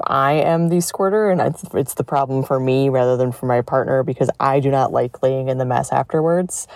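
A woman's voice: low-pitched, mellow, no echo. A woman calling in as a listener, leaving a casual voicemail message.

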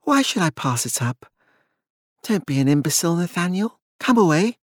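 A man voicing a haughty, vengeful gentlewoman in an audiobook, brisk and disdainful. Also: a little high, sing-song, no echo, studio quality, voice pushed up. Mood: haughty impatience.

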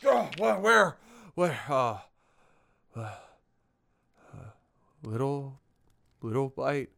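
A man's voice: medium pitch, sing-song, drawn-out words, gravelly, a bit bright, a little hiss or hum, exaggerated voice. An actor voicing a panicky, cranky old male campfire storyteller who shrieks and curses. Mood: dazed muttering. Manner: shrieking, cursing, easily terrified.

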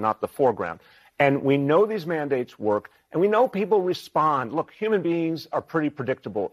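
A man's voice: a little high, low-quality recording. A man giving a public speech, speaking in an earnest, emphatic and persuasive way. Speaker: politician.

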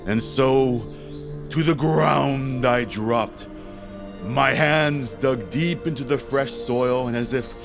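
An actor playing a grandiose, reverent tribal orator giving a ceremonial speech in an audio drama, with theatrical pauses. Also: male voice, medium pitch, vocal fry, music in the background.

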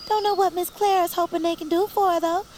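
A woman's voice: very high-pitched, steady tone, quick pace, darkish tone, slight background noise. An actress playing a chatty young enslaved girl who gossips eagerly and cheekily. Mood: gossipy. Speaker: Nancy. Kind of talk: audio drama acting.

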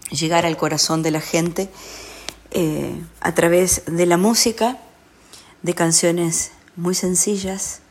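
A woman with an Argentine accent speaks in a low register with very little rise and fall. She is a guest offering a personal tribute, reflective and halting, pausing often as she searches for words. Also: vocal fry.

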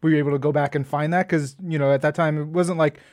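A man's voice: on the high side, steady tone, fast, darkish tone, no echo, studio quality. A man interviewing a guest casually as a podcast host.

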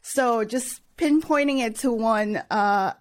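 A woman's voice: a little high, slow. A woman co-host asking a guest friendly, curious interview questions. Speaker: podcast co-host.

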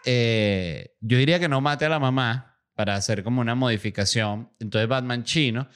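A man's voice: mid-range voice, normal speed, smooth. A man hosting a podcast, rambling through a casual comedic monologue full of fillers and self-corrections. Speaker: podcast host.

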